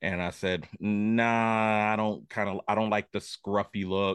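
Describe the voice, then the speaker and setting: A man speaks with an Ohio accent against a quiet background. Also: dry, close sound with no echo. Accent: Midwestern US (Ohio). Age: 40s. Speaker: hip-hop artist. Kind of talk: casual chat.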